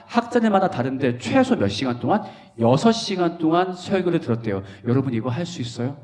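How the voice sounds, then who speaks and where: Man, youth preacher, lively sermon, higher voice, very expressive pitch, playful questioning. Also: brisk. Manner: animated, questioning the audience, playful.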